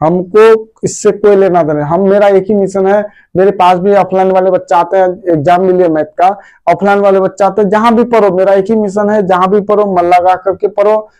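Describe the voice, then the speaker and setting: A man a high-pitched voice gives an informal grammar lesson. He speaks in a warm, fatherly and repetitive way, addressing his pupils as his dear children. He asks his own questions and then answers them. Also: steady tone, normal speed. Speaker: teacher.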